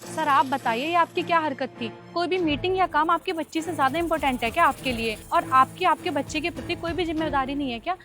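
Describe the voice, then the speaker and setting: A woman's voice: high-pitched, fast talker, few pauses, bright, forceful tone, soft background music. A woman playing a stern school principal. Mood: lecturing. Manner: firm, lecturing.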